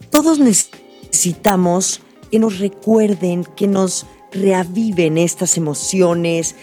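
A woman's voice: medium pitch, dark tone. A Mexican woman hosting a radio show, talking in a chatty, rambling way, correcting herself as she goes and stressing her points with feeling. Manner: emphatic, heartfelt. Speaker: radio host. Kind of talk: casual radio monologue.

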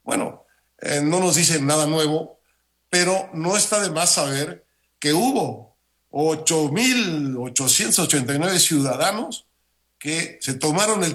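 A man's voice: a little high, a bit bright. Wry Mexican man with a cold. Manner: measured, wry, many "eh" pauses. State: has the flu. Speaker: regular commentator. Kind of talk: opinion commentary on air.

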